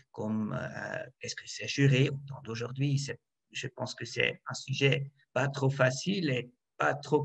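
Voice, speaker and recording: A Swiss priest whose first language is German, speaking French slowly and carefully. His voice sits at a middle pitch, and he pauses often with fillers and restarts. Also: creaky. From Switzerland. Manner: hesitant, many fillers and restarts. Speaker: priest, guard chaplain. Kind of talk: interview answers.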